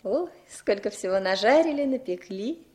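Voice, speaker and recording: Actress as a controlling young woman: brisk, firm, commanding, 1960s radio drama. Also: mid-range voice, expressive, noisy background, natural voice.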